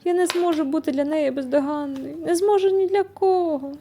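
Lady doing a giant angry panda mom from a storybook, loud and bossy, high and mellow. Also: normal speed, slight background noise. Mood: tearful. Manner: roaring, scolding, commanding. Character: furious strict mother, turned giant red panda.

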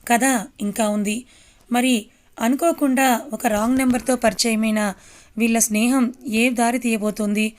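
A woman narrating a family story in a plain, even reading voice. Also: on the high side, measured pace.

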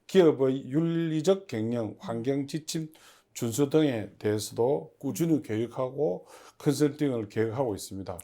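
A man giving formal, prepared interview answers as an agency official, in measured and stiffly official phrasing. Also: medium pitch, warm tone. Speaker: head of a public industry agency, interview guest.

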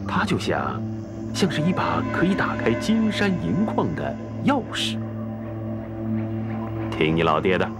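A man's voice: a little high, wildly swooping pitch, unhurried, vocal fry, pauses often, loud music behind the voice, heavily acted. An actor playing a scheming middle-aged father who coaxes his son toward an ambitious match in a period TV drama. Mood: sly. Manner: persuasive, coaxing.

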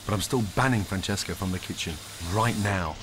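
A man's voice: low-pitched, fairly quick, background noise. A man reading a matter-of-fact voice-over for a reality TV show. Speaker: narrator. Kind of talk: scripted TV voice-over. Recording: voice-over over loud music bed.

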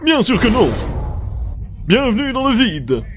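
A man's voice: very high-pitched, very animated, unhurried, faint music behind, heavily acted. A man voicing a manic, cheerful ringmaster of a digital circus in a French cartoon fan dub, with theatrical, grandiose delivery. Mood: showy, exuberant.

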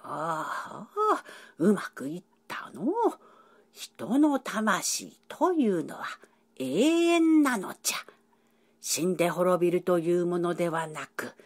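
A woman voicing an elderly male professor who lectures at length in old-fashioned speech. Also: medium pitch. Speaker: professor explaining ancient symbols. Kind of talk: educational dialogue.

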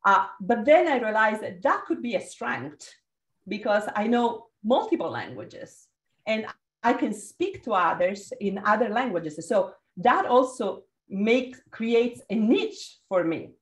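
Italian-accented woman facilitating over a video call, lively and encouraging, roomy echo. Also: fairly high pitch, measured pace. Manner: energetic, encouraging, calls on participants. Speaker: workshop facilitator. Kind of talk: leading a group video call.

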